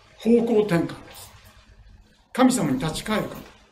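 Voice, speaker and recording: A man talks at a moderate pace in a high pitch, his pitch swinging very widely. Audible room echo and noticeable background noise fill the recording. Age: 80s+. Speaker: pastor. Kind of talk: sermon. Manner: casual.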